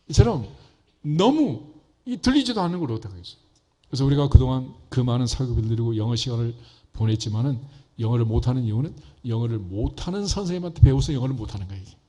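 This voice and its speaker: A man's voice: medium pitch, a little mellow, slightly rough. A male pastor giving a folksy, conversational sermon, often asking the congregation rhetorical questions.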